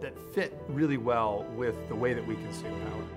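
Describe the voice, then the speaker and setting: Moderate-paced speech with clear music in the background. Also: man. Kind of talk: interview answer. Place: office.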